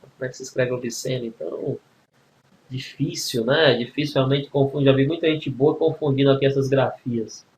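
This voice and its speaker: A man's voice: mid-range voice, steady tone, normal speed, a little mellow, slight background noise. A man teaching a grammar exam-prep lesson, explaining spelling rules step by step and checking in with frequent tag questions.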